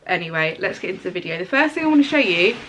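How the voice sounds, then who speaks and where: A woman's voice: on the low side, big pitch swings, rapid-fire, a bit bright, a little hiss or hum, poor audio. Bubbly congested woman. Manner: bubbly and gushing, chatty asides. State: congested, stuffy-nosed. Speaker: home and lifestyle vlogger. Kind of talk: casual chatty haul video. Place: bedroom, sitting on the floor.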